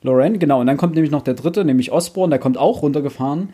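A man's voice: a little high, fast talker, warm tone, breathy edge. A man co-hosting a podcast in a casual book discussion, colloquial and blunt, now and then mildly crude. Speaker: podcast co-host.

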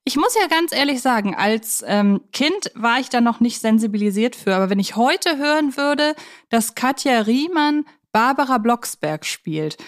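A woman's voice: fairly high pitch, animated, moderate pace. Chatty female podcast co-host. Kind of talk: casual film discussion.

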